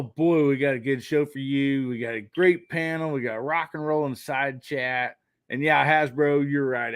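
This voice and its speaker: A man hosting a live podcast, folksy and quick to laugh. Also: mid-range voice, no echo. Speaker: podcast host.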